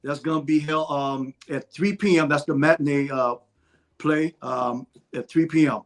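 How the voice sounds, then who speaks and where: A man with a somewhat high voice speaks as a guest on a show, giving out details in a casual way. His delivery is halting, with frequent self-corrections. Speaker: interview guest promoting a stage play. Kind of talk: casual spoken announcement.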